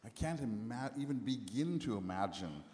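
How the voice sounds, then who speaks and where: A man delivers a sermon to a congregation, speaking in short phrases and pausing often so an interpreter can follow. His pitch rises and falls in a lively way. The sound carries the long reverb of a large church hall. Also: slight background noise. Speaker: preacher.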